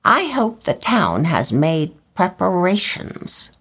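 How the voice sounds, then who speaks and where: A woman's voice: lowish voice, very animated, slow pace, fairly bright tone, husky, heavily acted. A woman voicing a vain, fussy little male swallow in a storybook reading, talking in a chirpy, self-important way. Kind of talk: storybook character voice.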